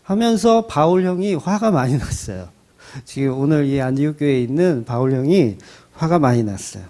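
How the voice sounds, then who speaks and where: A man preaching a Sunday sermon, his pitch swinging widely as he talks. His voice sits a little high but has a mellow, dark tone. He tells the Bible story in a dramatic, conversational way. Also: normal speed. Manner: colloquial, dramatic storytelling with acted quotes; animated, rising and falling delivery. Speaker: pastor.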